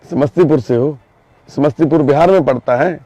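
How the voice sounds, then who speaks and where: A man with a Punjabi accent, speaking outdoors at night by a railway crossing, gently coaxing and reassuring a frightened girl while he narrates his vlog. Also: on the high side, fairly quick, muffled recording. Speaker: volunteer vlogger helping a lost girl.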